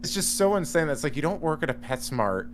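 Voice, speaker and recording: A man in casual podcast chat, talking in an animated, rambling way with many restarts. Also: a little high, brisk, background noise. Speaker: podcast guest.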